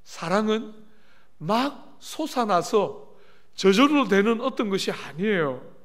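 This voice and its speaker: Man preaching a revival sermon, middle-aged, fairly high voice, lively storytelling, asks the congregation questions. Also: takes it slowly. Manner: animated storytelling with asides to the congregation. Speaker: pastor. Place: church sanctuary.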